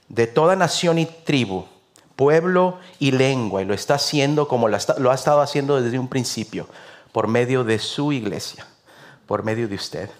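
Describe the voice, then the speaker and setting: Mexican guy preaching, earnest and rhythmic, throws in lots of amens, regular man's pitch. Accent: Mexican Spanish. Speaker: visiting pastor. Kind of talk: sermon.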